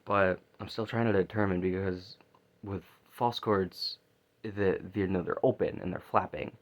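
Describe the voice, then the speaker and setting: A man talking casually in a video diary, halting and rambling, often repeating words and trailing off. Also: sits low, steady tone. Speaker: vocal student keeping a practice diary. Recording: dull lo-fi recording.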